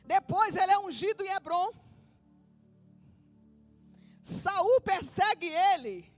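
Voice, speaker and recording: A woman pastor with a very high voice preaches a lively sermon, acting out the dialogue of Bible figures. She calls on the congregation to repeat her words, and faint music plays behind her. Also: normal speed.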